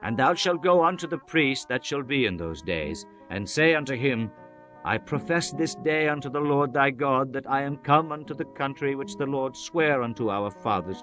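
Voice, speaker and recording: A man with a medium-pitched voice reads scripture as a dramatized audiobook. His delivery is solemn and measured, with a declamatory weight to each phrase. Soft music plays behind him. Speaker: audiobook narrator. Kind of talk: dramatized scripture reading, archaic English. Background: background music.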